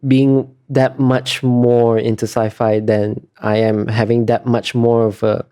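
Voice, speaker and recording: A man's voice: medium pitch, little pitch movement, slow pace, warm tone, clear, resonant tone. A man being interviewed as an artist, talking casually and explaining in a hesitant, self-correcting way.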